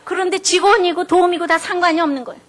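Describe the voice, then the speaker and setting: High-voiced animated woman pastor preaching. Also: racing. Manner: animated storytelling, acting out quoted voices. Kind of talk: sermon.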